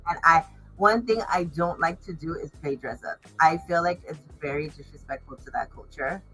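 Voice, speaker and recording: A woman's voice: deep voice, moderate pace, sharp tone, faint music behind, low-quality recording. A woman chatting casually as a fashion designer in an interview, stressing words emphatically. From Los Angeles area, United States.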